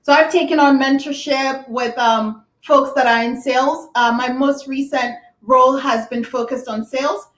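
A woman's voice: high-pitched, steady tone, moderate pace, hardly any pauses, a bit bright. A woman from Ghana, a guest talking upbeat and chatty about her work over a video call. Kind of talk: casual interview chat. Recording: echoey room.

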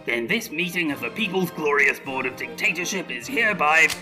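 A man's voice: a little high, expressive, a little fast, music in the background, lightly acted. A man playing a petty, shameless dictator in a comedy audio drama, with a pompous, self-serving manner. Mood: scheming, pompous. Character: petty, shameless male dictator of a comic dystopia.

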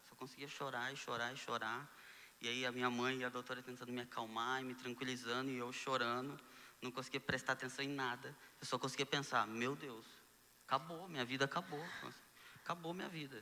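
A young Brazilian man, a guest telling his story in a casual conversation, animated and acting out the dialogue he quotes. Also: mid-range voice, fast, big-room sound, a little hiss or hum. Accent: Brazilian Portuguese. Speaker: guest sharing testimony.

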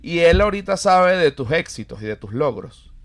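A young adult man with a Venezuelan accent, a comedian co-hosting a podcast, blunt and animated, swearing often in casual banter. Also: a little high, normal speed, dry recording. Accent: Venezuelan Spanish. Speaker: comedian co-host.

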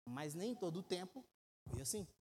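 Pastor preaching in an echoey hall. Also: male voice, sits high, sing-song, normal speed, slightly rough. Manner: emphatic preaching with rhetorical questions, swinging between loud and quiet. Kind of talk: sermon. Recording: echoey church hall with long reverb.

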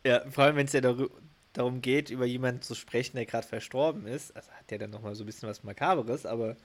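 A man's voice: mid-range voice, fairly even intonation, fast. A man co-hosting a podcast, chatting casually with short replies and agreeing remarks. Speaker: podcast co-host.

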